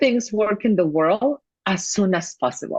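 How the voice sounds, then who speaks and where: At a fairly slow pace, a woman with a Mexican accent speaks at a medium pitch, somewhat breathy, her pitch swinging very widely. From Mexico (Monterrey). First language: Spanish. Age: 50s. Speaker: business owner and consultant. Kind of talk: panel interview. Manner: animated.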